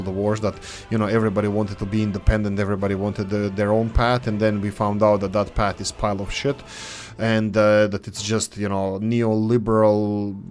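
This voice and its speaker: A man's voice: on the low side, a little mellow. A young adult man from Croatia with a Croatian accent, rambling with many fillers and restarts as he talks over a game he is playing. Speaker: gaming channel host. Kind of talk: casual commentary over a game.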